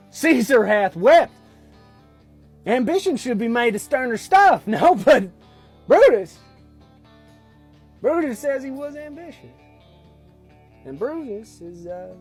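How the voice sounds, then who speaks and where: This husky man with a Southern US drawl delivers a Shakespeare monologue in a relaxed, stop-and-start way, restarting lines. His voice is very high-pitched and sing-song, with faint music playing behind him.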